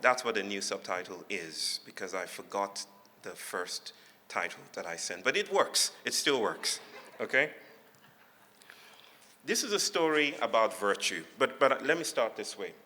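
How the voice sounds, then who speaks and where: A man from Nigeria with a Nigerian accent gives a public talk, reflective and playful, telling stories in measured phrases with dramatic pauses. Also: on the low side, lively intonation, bright, forceful tone, slight background noise. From Lagos, Nigeria. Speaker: guest speaker giving a lecture. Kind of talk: public talk, storytelling with humour. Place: large hall before an audience. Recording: echoey hall with long reverb.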